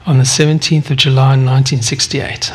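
A man in his fifties from South Africa, preaching a sermon and sharing a personal testimony in an earnest, vulnerable way with frequent pauses. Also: mid-range voice, flat delivery, breathy edge. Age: 50s. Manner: earnest, vulnerable, often pausing.

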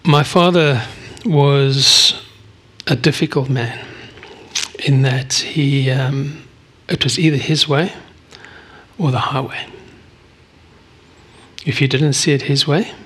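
A man in his fifties from South Africa, preaching a sermon and sharing a personal testimony in an earnest, vulnerable way with frequent pauses. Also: medium pitch, fairly even intonation, a bit bright, slightly rough. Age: 50s. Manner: earnest, vulnerable, often pausing.

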